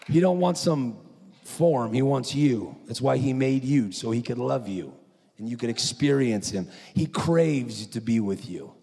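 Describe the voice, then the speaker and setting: Man, sermon, animated storyteller, husky voice, long hall echo. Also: mid-range voice, unhurried. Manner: animated storytelling with acted-out quotes. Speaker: conference speaker. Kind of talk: preaching sermon. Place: large conference hall. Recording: echoey hall.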